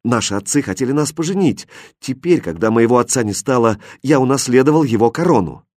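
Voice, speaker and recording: A man voicing a calm, gentle young king in an audiobook fairy tale, speaking softly and earnestly. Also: mid-range voice, a little fast, no echo, clean studio sound, natural voice. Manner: soft, soothing, earnest.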